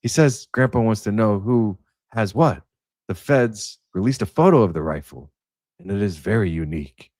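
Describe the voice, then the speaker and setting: A man reading out the part of an anxious young man confessing, in a halting, theatrical script read. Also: lowish voice, darkish tone, dry recording, studio quality, pitched below the performer's own voice. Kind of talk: mock-dramatic script reading.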